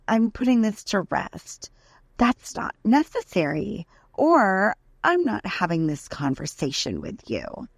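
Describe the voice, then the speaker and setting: A woman's voice: on the low side, vocal fry, no echo, full character voice. A woman giving a dramatic reading as an aggrieved, desperate defendant, indignant and emphatic as she pleads her case in a letter. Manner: indignant, emphatic, deliberate list-like delivery.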